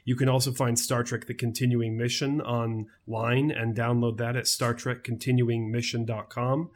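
A man talking casually as a guest about his audio drama, plain and relaxed, with frequent fillers. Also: mid-range voice, moderate pace. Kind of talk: casual podcast interview.

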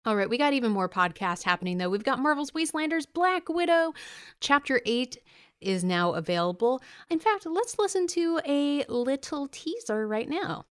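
A woman's voice: high voice, sing-song, moderate pace. A woman hosting a podcast, introducing clips and interviewing a guest with enthusiastic presenter delivery. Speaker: podcast host. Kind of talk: upbeat show hosting and interviewing.

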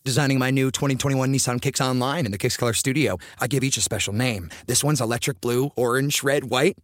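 A man's voice: medium pitch, steady tone, brisk, no room sound, natural voice. An actor playing a playful man proudly showing off his car design in an advert dialogue.

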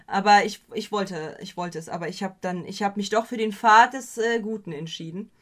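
A woman's voice: mid-range voice, normal speed, a bit bright. A woman hosting a podcast, chatting casually with lots of fillers and self-corrections, dropping English slang into her talk. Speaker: podcast host. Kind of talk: casual chat.

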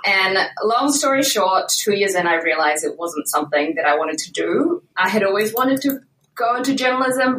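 A woman's voice: lowish voice, a bit bright, echoey room, far from the mic, rough recording. A woman in her late twenties with a New Zealand accent, a podcast guest talking casually with lots of fillers and hedges. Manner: chatty, with many fillers and hedges. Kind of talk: casual interview talk.

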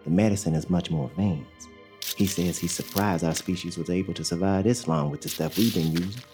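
An actor in an audio drama playing a young enslaved father who talks in a calm, plainspoken drawl. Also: low voice, fairly quick, faint music behind, close to an everyday voice. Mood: steady. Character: young enslaved male father, steady and hopeful.

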